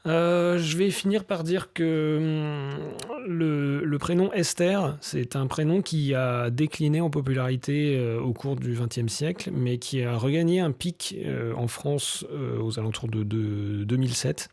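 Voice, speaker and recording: A man's voice: on the high side, unhurried, vocal fry, a little mellow, no echo. A man presenting a short spoken piece in a hesitant way, with many fillers. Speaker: podcast host. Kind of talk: scripted presentation.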